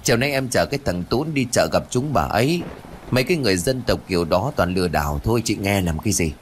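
A man voicing a dismissive young village man in a spoken ghost story, brisk and offhand. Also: fairly low pitch, animated, slight background noise, lightly acted.

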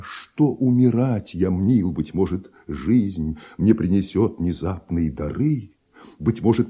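An actor playing a brooding, envious composer in a radio verse tragedy, speaking in a solemn declamatory manner with weighty pauses. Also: male voice, fairly low pitch, mellow, husky, muffled recording. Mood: feverish, agitated. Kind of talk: theatrical verse monologue, classic Russian radio play.

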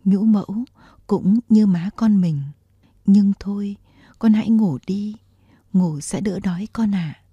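A woman's voice: mid-range voice, slow, warm tone, slightly rough, no room sound, highs cut off. A woman reading the part of a proud, imprisoned woman general and mother, tender with her child and fierce toward her enemies.

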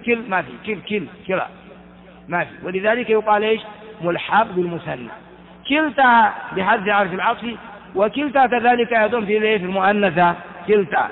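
A man teaching a classical Arabic grammar lesson, explaining step by step and asking and answering his own questions. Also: high-pitched. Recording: tinny phone-like sound with long reverb.

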